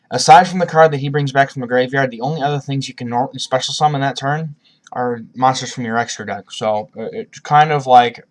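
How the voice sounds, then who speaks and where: Rambling man with a cough drop. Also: mid-range voice. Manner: rambling, frequent restarts and ums. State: has a cough, talking around a cough drop. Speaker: YouTuber presenting a card deck. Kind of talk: casual deck profile talk.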